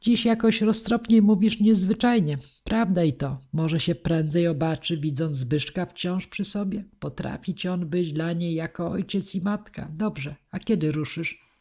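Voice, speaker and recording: Woman doing a gruff older knight, shrewd, decisive, audiobook. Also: on the low side, a little slow, hardly any pauses, warm tone. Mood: approving.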